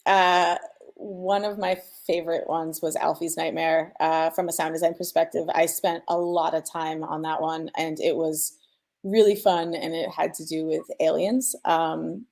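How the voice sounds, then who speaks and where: A woman's voice: sits low, steady tone, unhurried, gravelly, a little mellow. A woman sound designer talking casually and informally in a panel discussion, enthusiastic about the work. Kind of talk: casual conference panel talk.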